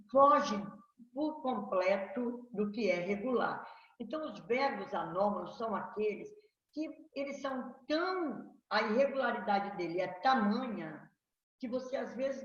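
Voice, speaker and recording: A middle-aged woman teaches a grammar class at a very unhurried pace, often checking that her students follow her. Her voice comes through a dull, lo-fi recording in an echoey classroom. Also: medium pitch, recorded from a distance. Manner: explains slowly, asking "tá vendo?" and "né?". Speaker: Portuguese teacher. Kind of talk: classroom lesson.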